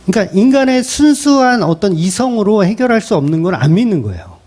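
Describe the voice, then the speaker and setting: A man's voice: high voice, sing-song, fairly quick, darkish tone. A middle-aged male pastor preaching a sermon in a conversational style, asking rhetorical questions. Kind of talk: expository sermon.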